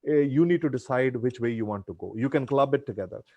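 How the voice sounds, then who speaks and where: A man with a medium-pitched, slightly mellow voice talks fast on a video call, recorded dry and close with no echo. He is a guest speaker from India whose first language is Punjabi, giving earnest advice in a virtual Q&A chat and often restarting his sentences.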